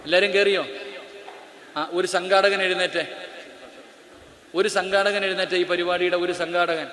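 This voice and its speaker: A man's voice: high voice, flat delivery, a little slow, sharp tone. A man preaching an Islamic sermon in an auditorium. He speaks straight to the crowd and keeps calling out and questioning his listeners. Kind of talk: sermon to a live hall audience. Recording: echoey auditorium with long reverb.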